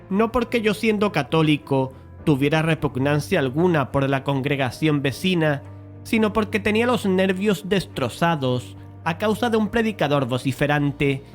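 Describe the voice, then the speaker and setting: Casting: male actor as skeptical painter-narrator, fairly high male voice, measured and gently chiding, faint music underneath. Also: lightly acted. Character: skeptical, paternal male painter telling his own strange story. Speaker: narrator and main character. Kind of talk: dramatized audiobook narration and dialogue.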